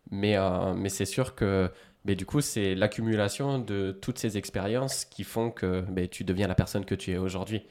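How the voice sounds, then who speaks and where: A man in his thirties with a light Toulouse lilt and a somewhat low voice. He tells his story to a podcast host in easy, conversational French-free storytelling, full of small hesitations and restarts. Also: moderate pace, darkish tone. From central France. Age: 30s. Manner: chatty, many hesitations and restarts. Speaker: podcast guest. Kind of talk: casual interview storytelling.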